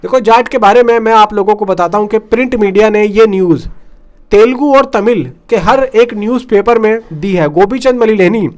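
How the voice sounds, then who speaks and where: Male film news host, high voice, chatty and informal, talks straight to viewers as pals. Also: moderate pace. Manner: chatty, addresses viewers as brother and friends.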